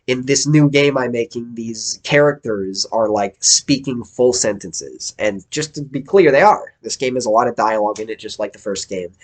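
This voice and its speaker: A man, an indie game developer, giving a casual update vlog in an enthusiastic, rambling way that keeps correcting itself. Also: fairly low pitch.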